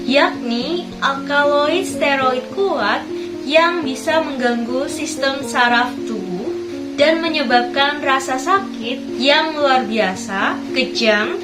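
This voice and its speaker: A woman with a hoarse voice from a cold hosts a chatty educational video, asking her viewers questions as she narrates facts. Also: high voice. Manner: chatty, asks viewers questions, mixes in English phrases. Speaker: educational YouTube host. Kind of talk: scripted encyclopedia narration. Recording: echoey room with loud background music.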